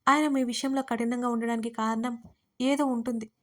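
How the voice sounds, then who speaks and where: A woman voicing a frightened, tearful young servant woman who pleads in a hushed, urgent way in an audio story. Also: fairly high pitch, steady tone, normal speed, close to an everyday voice. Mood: pleading.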